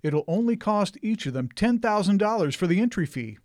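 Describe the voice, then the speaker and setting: A man's voice: sits high, animated, brisk, darkish tone, no echo, studio quality. A man playing a cheerful radio station volunteer in a comedy sketch, earnest and a bit pompous about his ideas. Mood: pleased.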